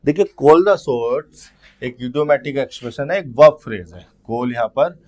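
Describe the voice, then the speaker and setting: A man with a mid-range, darkish voice gives an exam-prep lesson on English grammar. He explains step by step, reading the English questions out slowly.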